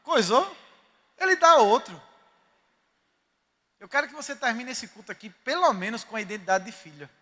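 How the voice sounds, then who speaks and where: Male pastor, Northeastern Brazilian accent, very high bright voice, emphatic storytelling sermon, long hall reverb. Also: lively intonation, normal speed, pauses often. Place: church sanctuary.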